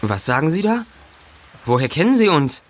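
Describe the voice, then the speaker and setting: Lively, high-voiced young investigator. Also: male voice, moderate pace, slight background noise. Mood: determined, challenging. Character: young male investigator, determined, inquisitive, undaunted. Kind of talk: German audio drama acting.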